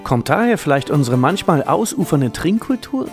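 A man's voice: a little high, big pitch swings, normal speed, soft background music. A man co-narrating a scripted history documentary in an informative way.

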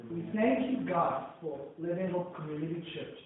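Nigerian-accented man, pastor, fervent prayer and reading, high-pitched, tinny phone-like sound. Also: moderate pace, slight background noise. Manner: fervent, booming when reading God's words. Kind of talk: prayer and scripture reading in a sermon. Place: large church hall. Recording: echoey hall, far from mic, phone-like band.

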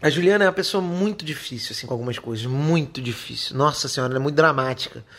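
A man's voice: mid-range voice, racing, a bit bright. A man from Rio de co-hosting a casual podcast with his partner, laid-back and teasing. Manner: laid-back, says "cara" a lot, teasing. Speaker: podcast co-host. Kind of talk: casual couple chat.

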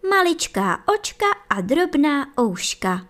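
A woman's voice: high-pitched, very animated, a bit bright, pitched above the performer's own voice. A woman voicing a strict but caring mother hare who speaks firmly. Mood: stern. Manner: stern, firm commands.

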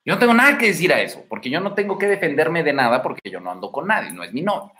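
Mexican man in his thirties, fairly high voice, slangy livestream advice host, echoey room. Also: sing-song, racing, bright, forceful tone, a little hiss or hum. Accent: Mexican Spanish. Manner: slangy, storytelling, addresses viewer as buddy. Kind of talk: casual livestream talk.

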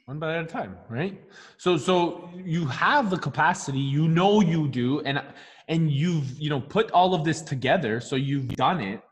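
A man with a Canadian accent leads a coaching session, his voice sitting a touch high. He asks encouraging questions and restarts his sentences often. A long reverb trails behind his voice. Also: animated, moderate pace. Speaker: mindset coach.

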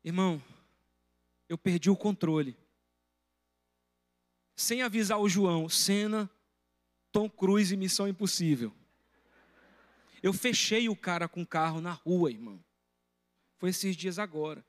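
A high-voiced pastor in his middle years delivers a sermon from the pulpit. He tells stories from his own life and speaks with animated energy. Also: unhurried, pauses often, soft background music. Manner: storytelling, breaks into loud shouting when retelling a confrontation.

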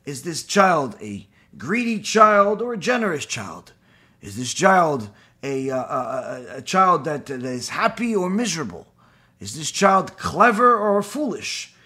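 A man gives a lecture in a high, bright, slightly husky voice. His pitch swings widely as he fires off rhetorical questions, and he often stops on "you know" and "uh". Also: very animated, measured pace. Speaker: Torah teacher. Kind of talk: recorded lecture.

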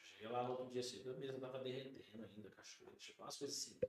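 A Brazilian man in casual podcast chat, telling kitchen stories with lively energy and putting on voices for the people he quotes. His voice sits at a middle pitch, and the room gives it a noticeable echo. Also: very fast. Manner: animated storyteller, acts out quoted dialogue. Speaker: podcast guest, chef. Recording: roomy studio sound.

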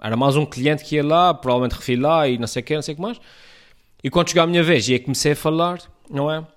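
A man's voice: a little high, fast talker. A man with an Azorean accent from São Miguel, hosting a podcast and chatting casually in reply to a listener's message, rambling with many restarts and fillers. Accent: Azorean Portuguese, São Miguel. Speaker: podcast host.

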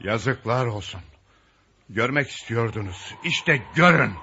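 An actor playing a pious old camel driver who gently pleads and rebukes. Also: male voice, medium pitch, expressive, unhurried. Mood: pleading. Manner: pleading, then solemn. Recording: dull audio with faint noise.

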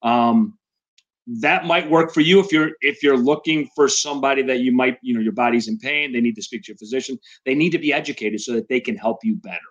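A man speaking in a measured, explanatory way in a casual online chat. His voice sits in a middle pitch, and the call audio sounds a little dull. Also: fairly bright tone.

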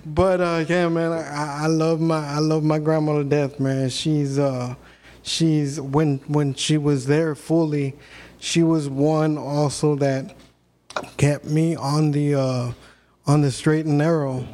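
A man's voice: fairly high pitch, flat delivery, takes it slowly, a little mellow. A man in his thirties, a podcast guest, telling blunt, profane stories in casual chat. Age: 30s.

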